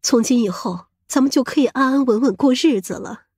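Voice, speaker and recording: A woman acts a brash, scheming middle-aged mother in an audiobook drama. Her high voice has a husky edge, and she talks in a boastful, scolding way, vain and coarse-tongued. The sound is dry and close. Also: brisk, a little mellow, dry recording. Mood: plotting. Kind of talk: audiobook character acting.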